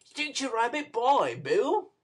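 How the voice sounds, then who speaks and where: A man's voice: high voice, lively intonation, unhurried, husky, voice pushed up, exaggerated voice. A man voicing a cheeky young male pickpocket in a storybook reading, eagerly boasting. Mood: excited.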